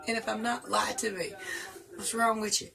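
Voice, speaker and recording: A woman's voice: on the high side, flat delivery, measured pace, vocal fry, background noise. A woman in her late thirties with a Southern US accent, chatting casually and laughing often while answering tag questions. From North Carolina. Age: 30s. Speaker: vlogger.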